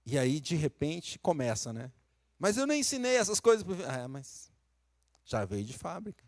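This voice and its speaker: A man's voice: fairly high pitch, very animated, moderate pace, dry recording. Brazilian pastor, middle-aged man, Minas Gerais accent; chatty sermon delivery that climbs to emphatic peaks; dry, close recording. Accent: Brazilian Portuguese, Minas Gerais. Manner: conversational preaching, rising to emphatic peaks.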